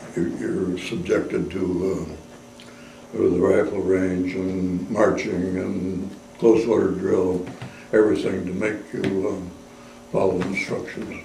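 Over light background noise and audible room echo, a man with a very deep, low voice speaks at a very slow pace, with fairly even intonation and long, frequent pauses. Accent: American. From US Midwest. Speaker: war veteran. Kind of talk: oral history interview. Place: home room.

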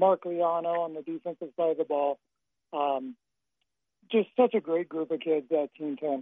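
Pausing long and often, a man with an American accent speaks at a moderate pace in a fairly high voice with ordinary pitch variation. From Ohio. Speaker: high school football coach. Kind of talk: radio interview.

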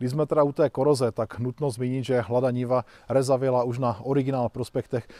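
A man talks at a moderate pace with ordinary pitch variation and a dark, mellow tone. The sound is dry with no echo. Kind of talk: car review presentation. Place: street. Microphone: lapel.

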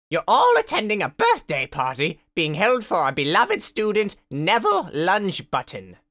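In a cartoonish character voice, a man speaks at a high pitch with lively intonation, a moderate pace and hardly any pauses. The sound is dry and close with no echo, on a very clean recording with a silent background. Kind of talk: comic puppet sketch. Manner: grandly cheerful, whimsical.

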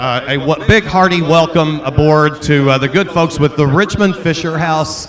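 Noticeable background noise runs under this man's voice. He speaks at a moderate pace in a fairly high pitch with ordinary pitch variation. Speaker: stadium announcer. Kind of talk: live event announcing, opening ceremonies emcee. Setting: stage with audience, PA system at racetrack. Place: stage.

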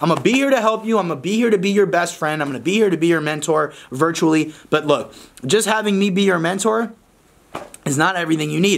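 A man's high-pitched, animated voice at a very fast pace, full of lively intonation. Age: 20s. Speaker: music producer podcast host. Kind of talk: motivational monologue. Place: home room.

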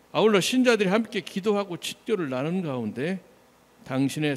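Very wide pitch swings mark a man's speech, which moves at a moderate pace. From South Korea, Yeoncheon (Gyeonggi); South Korea. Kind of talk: sermon. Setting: church during Mass. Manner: warm, conversational. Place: church. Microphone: podium.

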